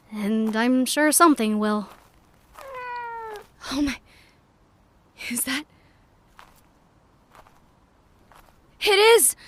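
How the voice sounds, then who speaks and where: A woman playing a reflective, wry, warm-hearted young scavenger in a sci-fi audio drama, speaking a conversational monologue as if recording a message. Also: a little high. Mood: wistful, resolved, then excited, coaxing.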